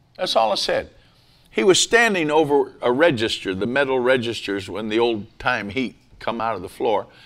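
Using an unremarkable speaking voice, a man talks at a moderate pace with medium pitch and lively intonation. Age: 50s. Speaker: evangelist, host's father. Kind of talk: casual chat with preaching.

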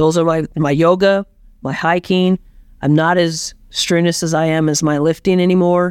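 A woman with an American accent and fairly low pitch, speaking at a moderate pace with monotone, flat intonation, in a very clean recording with a silent background. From small-town Colorado. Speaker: firefighter lieutenant. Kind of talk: interview. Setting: studio.

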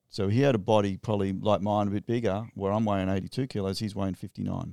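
With an Australian accent, the speaker talks at a very fast pace in a dark, mellow tone and fairly even intonation. The sound is dry and close with no echo, on a very clean recording with a silent background. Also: man. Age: 50s. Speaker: retired para powerlifter. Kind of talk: casual interview chat. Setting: studio in a gym.

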